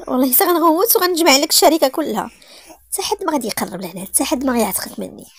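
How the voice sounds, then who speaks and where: A woman voicing a cold, vengeful young male boss who threatens in a low voice, with a Moroccan accent. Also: expressive, racing, vocal fry. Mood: menacing.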